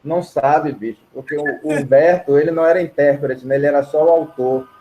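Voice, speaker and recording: A man's voice: a little high, brisk, highs cut off. A man from Bahia, telling stories casually as a musician guest in an interview. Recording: clear steady background noise.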